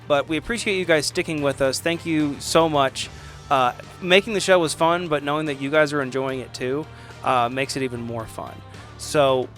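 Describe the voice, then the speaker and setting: A man's voice: mid-range voice, fairly bright tone. A man hosting a podcast, casually thanking and addressing listeners. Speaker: podcast host and player.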